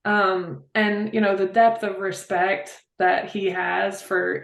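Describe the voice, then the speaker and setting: A woman chats as an interview guest, heartfelt and rambling, full of "like" and "you know". Her voice sits at an ordinary middle pitch. The sound is roomy, with a clear echo around her. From Appalachia, West Virginia. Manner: heartfelt, rambling, many fillers. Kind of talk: casual interview chat.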